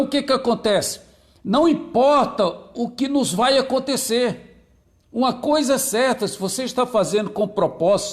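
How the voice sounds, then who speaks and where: High-voiced preaching pastor. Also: male voice. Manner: preaching, greets online viewers by name mid-sermon; slows and drops low on key phrases, repeats them. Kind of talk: sermon.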